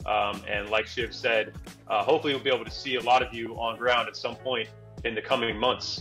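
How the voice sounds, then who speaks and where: Faint music plays in the background as a man talks with fairly even intonation. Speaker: program lead hosting a webinar. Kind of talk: welcome remarks. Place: office. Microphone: earbuds.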